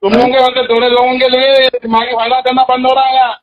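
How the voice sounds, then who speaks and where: A man's voice: very high-pitched, level tone, fast. A man with a Hyderabadi accent arguing defensively on a muffled phone call, cutting in and repeating himself. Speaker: vehicle finance recovery agent. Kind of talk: heated phone argument.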